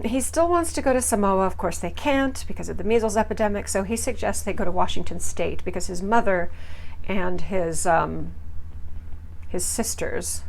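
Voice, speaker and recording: A woman's voice: lowish voice, gravelly, slight background noise. A woman hosting a recap show, giving casual, opinionated commentary in a blunt, mocking way with dramatic emphasis on key words.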